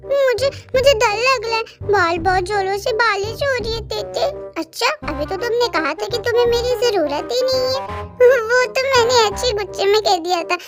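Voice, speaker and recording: Woman voicing a sulky man-child with a very high voice. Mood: clingy. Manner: pouty, whiny, refers to himself by pet name. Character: man with mind of a five-year-old boy, sulky and clingy. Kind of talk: storybook reading with voices.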